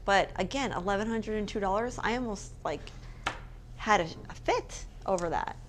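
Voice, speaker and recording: A woman's voice: mid-range voice, normal speed, a little hiss or hum. A woman co-hosting a casual talk show, chatty and self-mocking as she tells stories. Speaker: co-host. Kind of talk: casual chat. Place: hotel room.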